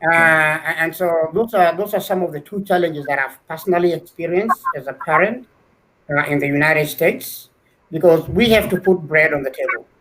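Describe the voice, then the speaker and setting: A man's voice: a little high, moderate pace, background noise. A middle-aged man from Kenya, a scholar answering interview questions earnestly, often repeating words as he builds a point. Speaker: guest scholar.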